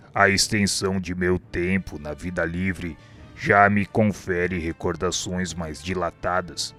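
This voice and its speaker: An actor with a Brazilian accent playing a wise, calm male spirit guide who explains things in a solemn, measured, formal way in a radio drama. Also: sits low.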